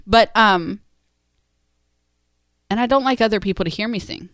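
A woman's voice: mid-range voice, moderate pace, fairly bright tone, no echo, clean studio sound. A woman in her late thirties co-hosting a podcast in a casual, conversational style. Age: 30s. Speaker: podcast co-host. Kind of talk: casual married-couple chat.

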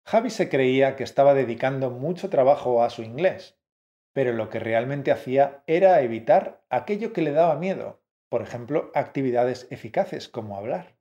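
Male podcast co-host, warm dark tone, encouraging, slightly muffled recording. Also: medium pitch, lively intonation, moderate pace. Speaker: co-host of a Spanish-learning podcast. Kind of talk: scripted podcast teaching.

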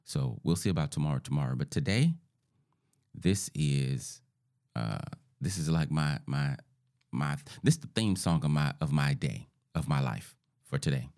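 Deep gravelly man with morning voice. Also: normal speed, a little mellow. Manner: rambling and informal, addresses listeners as family. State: groggy morning voice. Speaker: podcast host. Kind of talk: casual morning monologue.

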